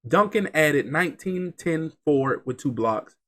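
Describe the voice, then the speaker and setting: A man's voice: on the high side, a little slow. Congested man calling game stats. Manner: reels off stats, chatty and excitable. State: congested, getting over an illness. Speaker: gaming channel host. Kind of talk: casual commentary over a basketball video game simulation.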